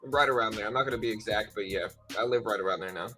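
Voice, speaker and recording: Just out of bed and tired, a Texas trading host livestreams from his home, rambling in a loose, easygoing way and saying "bro" and "you know" constantly. He's an adult with a daughter; his lowish voice runs deeper than usual this morning and moves at a quick clip, yet keeps a bright, forceful edge even as he trails off. Faint music sits in the background of this casual chat.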